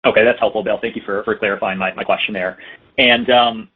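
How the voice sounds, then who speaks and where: A man's voice: fairly low pitch, steady tone, fast talker, husky. A man asking questions as an analyst on an earnings call, polite and tentative in his phrasing. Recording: phone-like conference call line.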